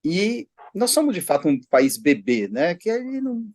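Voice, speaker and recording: A man's voice: sits high, big pitch swings, normal speed, darkish tone. A man commenting on a panel in a matter-of-fact, corrective way. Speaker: economics commentator. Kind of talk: casual panel chat.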